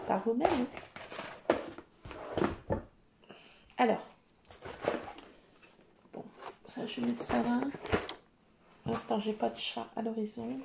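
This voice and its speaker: A woman's voice: a little high, level tone, takes it slowly, vocal fry, long pauses, heavy background noise. A woman, chatting playfully to viewers while she works on a scrapbook page. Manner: talks to viewers while working, playful, self-mocking. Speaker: scrapbooking vlogger. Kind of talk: chatty talk while crafting.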